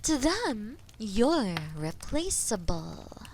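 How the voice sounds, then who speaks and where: A woman voicing a haughty, menacing female dragon in a fantasy audio roleplay, taunting and condescending, with a breathy voice that often drops toward a whisper. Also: a little high, big pitch swings, a little mellow, slight background noise, exaggerated voice. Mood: scornful. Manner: taunting, condescending, theatrically slow and deliberate. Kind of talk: scripted fantasy audio roleplay addressed to the listener.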